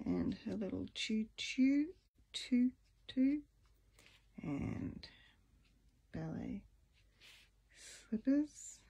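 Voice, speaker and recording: A woman with a deep, husky voice hosting a casual stamping tutorial, chatting and thinking aloud as she crafts. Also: sing-song, drawn-out words, long pauses, dark tone. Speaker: craft video host.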